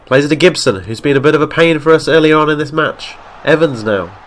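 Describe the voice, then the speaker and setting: A man with a fairly high voice and a blocked-up nose from a coming cold talks through football game highlights. He narrates each pass as it happens and raises his voice at the near misses. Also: fast. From Wales. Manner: excitable play-by-play, shouts at near misses. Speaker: gaming YouTuber. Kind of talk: game commentary.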